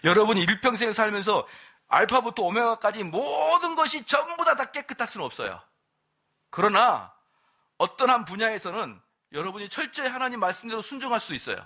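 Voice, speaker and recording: A middle-aged male pastor preaching a sermon at an evening church service, quizzing the congregation and throwing in quick asides. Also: sits high, very animated, sharp tone.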